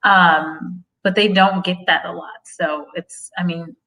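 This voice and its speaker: A chatty woman hosts a casual livestream and works through viewer comments while drifting onto tangents. Her voice is bright and clear. She sits slightly back from the microphone. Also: fairly low pitch, fairly even intonation, slow, distant mic, low-quality recording. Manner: chatty, goes off on tangents, laughs often. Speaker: host of a career-advice livestream.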